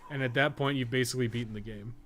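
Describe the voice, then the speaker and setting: A man giving casual live gameplay commentary as a guide host, explaining things in a relaxed, sweary way. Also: medium pitch, rapid-fire. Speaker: game streamer and guide host.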